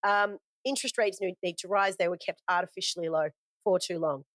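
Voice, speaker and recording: A woman's voice: lowish voice, steady tone, fairly quick, a bit bright, dry recording. A woman hosting a commodities podcast, talking through her notes in a conversational way, with fillers and self-corrections. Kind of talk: casual spoken market commentary from notes.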